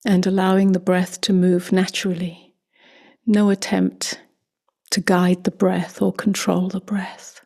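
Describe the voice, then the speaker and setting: A woman speaking softly and gently in a near-whisper as she guides a meditation, unhurried, with long pauses. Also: on the low side, completely flat delivery. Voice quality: soft, breathy, near-whispered. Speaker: meditation teacher.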